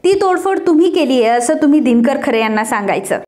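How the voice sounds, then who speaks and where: A woman voicing a sharp-tongued middle-aged matriarch, snapping and commanding, in a serial recap. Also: sits high, lively intonation, fast talker.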